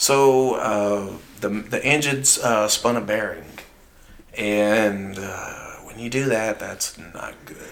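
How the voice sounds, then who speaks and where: With a Texan accent, a man speaks at a very slow pace and fairly low pitch. His loudness swings widely, and the room echo is audible. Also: ordinary pitch variation. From Texas. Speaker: podcast co-host. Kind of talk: casual chat.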